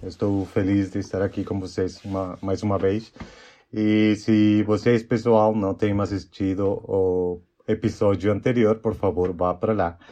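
A man's voice: fairly low pitch, flat delivery, normal speed, warm tone. A man in his twenties from Mexico, a native Spanish speaker, speaking Portuguese with a Mexican accent as a friendly podcast guest. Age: 20s. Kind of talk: casual conversation.

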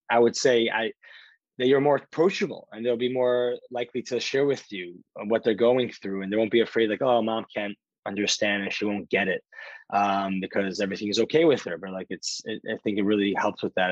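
A man hosting a podcast interview, affirming his guest in a casual, halting way with many fillers. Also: fairly low pitch, dry recording, highs cut off. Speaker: podcast host.

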